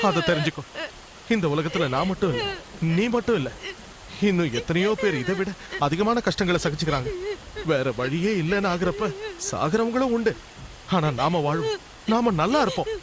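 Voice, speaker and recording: A man's voice: high-pitched, expressive, fairly quick, crowd noise. A man acting as a husband in a dubbed film drama, firm and reassuring, later boastful and mocking. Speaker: film character Aravindan, husband. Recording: film soundtrack with loud music beneath.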